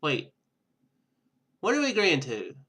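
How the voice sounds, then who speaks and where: A man giving casual, animated game commentary, with joking asides and bits of dialogue read aloud. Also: on the high side, a little slow. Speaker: gaming video host. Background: game music.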